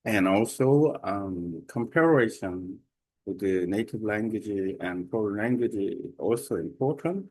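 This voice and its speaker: Halting low-voiced man teaching a language lesson. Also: expressive, a little mellow, low-quality recording. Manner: halting non-native English with fillers and throat clearing. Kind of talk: screen-share lesson, reading AI text aloud. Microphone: computer mic on a video call.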